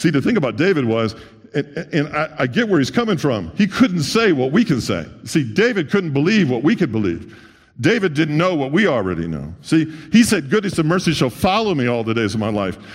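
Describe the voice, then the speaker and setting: Speaking at a fairly quick pace, a man uses very wide pitch swings and audible vocal fry. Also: fairly high pitch for a man. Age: 50s. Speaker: pastor. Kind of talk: sermon.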